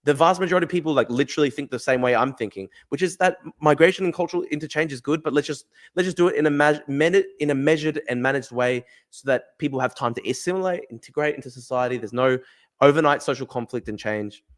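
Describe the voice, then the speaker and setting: A young livestream host with a fairly high-pitched voice talks at a quick pace while reading chat on a casual stream. He replies bluntly and argumentatively, swears freely and repeats himself.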